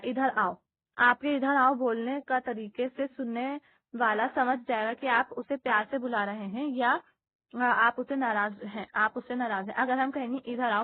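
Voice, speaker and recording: A fairly high-voiced woman explaining textbook material for an exam, step by step, with frequent "uh" fillers and restarts. The sound is thin and tinny, like a phone line. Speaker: teacher.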